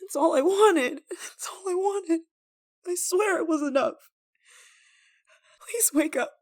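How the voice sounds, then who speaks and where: Girl acting a yandere girlfriend for asmr roleplay, high voice, desperate n guilty, pleading, stammery and halting. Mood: pleading, grieving. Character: obsessive yandere lover, a desperate, guilt-ridden woman pleading.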